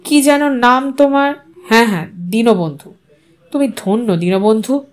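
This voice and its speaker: A woman's voice: on the high side, lively intonation, unhurried. Woman playing a patronizing middle-aged male politician. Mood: grandiose praise. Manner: authoritative, mixes English words into speech.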